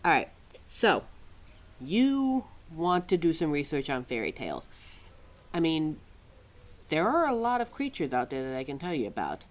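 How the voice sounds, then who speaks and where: A woman playing a quirky, exasperated, motherly keeper of forgotten lore in an ad-libbed audio roleplay, chatty and wry with halting, musing asides. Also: low-pitched, big pitch swings. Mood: informative, amused. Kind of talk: ad-libbed ASMR-style roleplay, talking to a listener.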